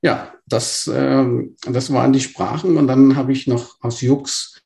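Brief: gravel-voiced man in his fifties, born in Burma, interview guest, halting and thoughtful. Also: medium pitch, fairly even intonation, a little mellow. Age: 50s. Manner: hesitant, many fillers and restarts. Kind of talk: conversational interview storytelling.

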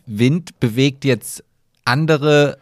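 A man's voice: medium pitch, drawn-out words, dry recording. Teasing man, sarcastic podcast co-host. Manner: teasing, hesitant restarts, dry sarcasm. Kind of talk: casual podcast chat.

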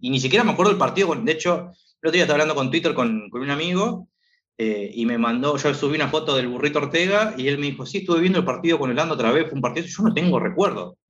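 A man in his thirties from Argentina, with an Argentine accent, talking casually as a guest and filling his pauses with "este". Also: a little high, lively intonation, a bit bright, dull audio. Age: 30s. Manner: rambling, lots of filler "este". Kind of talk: casual chat.

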